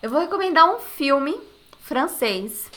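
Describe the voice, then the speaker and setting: A chatty woman from Brazil with a Brazilian Portuguese accent, her voice sitting a little higher than most. She talks expressively and often restarts her sentences as she goes, in a relaxed podcast chat. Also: measured pace. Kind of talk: casual conversation.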